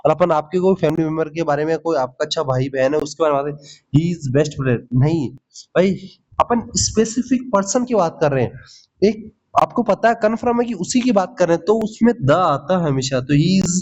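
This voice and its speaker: Lively high-voiced grammar teacher. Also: male voice, moderate pace. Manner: lively, repeats "ठीक है?" and calls students "भाई". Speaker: exam-prep English teacher. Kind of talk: Hindi grammar lesson with English examples. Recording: slightly dull lo-fi audio.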